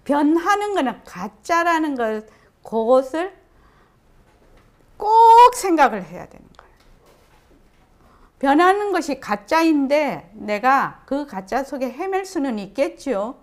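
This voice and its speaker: A woman's voice: high voice, big pitch swings, measured pace, long pauses. A woman giving a meditation dharma lecture, posing questions to her listeners and answering them herself, repeating key phrases for emphasis. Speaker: Buddhist meditation teacher.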